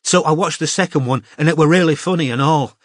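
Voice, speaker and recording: A man's voice: fairly high pitch, no echo, studio quality, voice pushed up, close to an everyday voice. Man voicing a fragile northern English teen girl. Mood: chatty. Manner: tearful, halting confessional talk.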